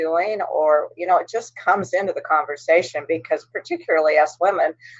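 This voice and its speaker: Here is a woman with an ordinary speaking voice at medium pitch. She keeps a moderate pace and fairly even intonation. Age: 60s. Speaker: network marketing distributor. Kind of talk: interview.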